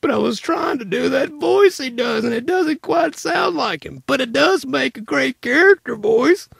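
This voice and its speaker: A man performing an old Western movie character, pitched very high and pushed out loud. The delivery is slow and hearty, like a cartoon sidekick, in a dry close recording. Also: expressive, creaky, no echo, exaggerated voice. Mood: slow, strained.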